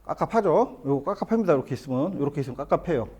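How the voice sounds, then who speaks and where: A middle-aged man giving a hands-on billiards lesson in a billiard hall, explaining step by step and asking the viewer quick questions as he plays. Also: on the high side, lively intonation, darkish tone, husky, highs cut off. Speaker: billiards instructor. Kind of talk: hands-on lesson, talking while playing.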